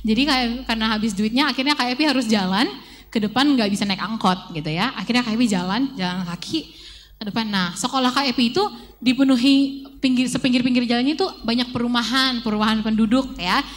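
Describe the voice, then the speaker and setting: Young woman doing sunday school for kids, high-ish voice, really animated, acts out voices, faint hum behind. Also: brisk. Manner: animated, acts out voices in her story, calls herself by initials. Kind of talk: children's church storytelling and song lesson.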